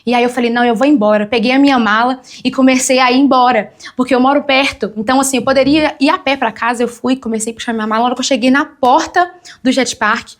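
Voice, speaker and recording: A woman's voice: high voice, fairly even intonation, fast talker, few pauses. A young woman, telling her testimony as a guest on a church talk show and acting out the voices of people she quotes. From Brazil.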